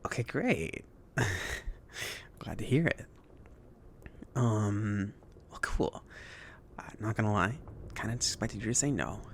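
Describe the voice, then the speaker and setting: A man playing a chill, friendly mage in an ASMR roleplay, speaking softly between whisper and murmur in a casual, hesitant, rambling way. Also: lowish voice, animated, slow pace, pauses often, slight background noise. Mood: relieved, upbeat. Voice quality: soft, breathy whispering mixed with murmured speech. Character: chill, friendly male mage kindly outfitting his apprentice.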